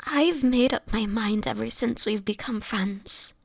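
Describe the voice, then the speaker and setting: Breathy, fragile vampire woman, acted out by a woman. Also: on the high side, dry recording, studio quality, exaggerated voice. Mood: anguished, dreading. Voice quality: breathy, often whispered. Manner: tender, halting, earnest, formal wording. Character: sickly homeless young female vampire, gentle, anguished, self-sacrificing. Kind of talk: intimate dramatic audio roleplay to the listener.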